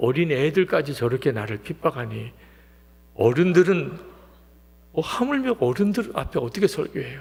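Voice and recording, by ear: Speaking at a moderate pace in a Chungcheong accent, a man shows very wide pitch swings and vocal fry. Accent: Chungcheong regional.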